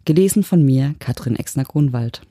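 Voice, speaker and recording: A woman from Germany reading a dark short story in even, measured narration. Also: extremely low pitch, no echo, clean studio sound. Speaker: audiobook reader. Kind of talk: scripted narration.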